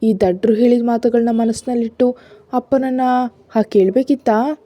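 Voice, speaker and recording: A woman's voice: a little high, fairly even intonation, normal speed, mellow, no room sound, pitched above the performer's own voice, lightly acted. A woman voicing a jealous, hurt young wife and mother who accuses and pleads. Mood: pleading.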